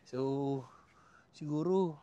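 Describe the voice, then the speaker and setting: A man's voice: fairly high pitch, very slow, lo-fi sound, background noise. A man from the Philippines hosting a casual travel vlog, joking and laughing as he talks straight to his viewers while walking outdoors along a river. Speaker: travel vlogger.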